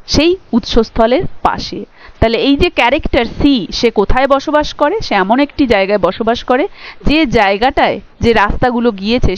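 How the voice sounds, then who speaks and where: A woman with a Bengali accent lecturing on a poem for exam preparation, explaining line by line and pausing with rhetorical checks. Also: medium pitch, no room sound, lo-fi sound. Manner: explanatory, asks rhetorical checks, slows to read lines aloud. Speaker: teacher. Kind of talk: exam-prep poetry lecture.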